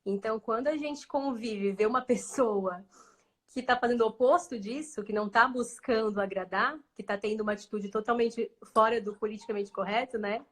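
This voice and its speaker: Soft-spoken woman guest, thinking aloud. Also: on the high side, a little fast. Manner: thoughtful, hesitant, restarts phrases. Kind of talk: casual live-stream conversation.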